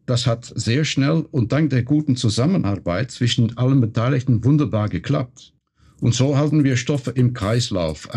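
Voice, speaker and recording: Male manager interviewee, warm husky tone, steady delivery. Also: medium pitch. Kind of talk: interview statement.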